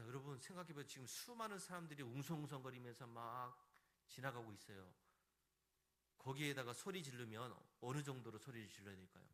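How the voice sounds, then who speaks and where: A male pastor preaching a Sunday sermon in a church, emphatic and animated, acting out the quoted voices in the story. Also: medium pitch. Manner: emphatic, acts out the crowd's and the beggar's lines. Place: church sanctuary.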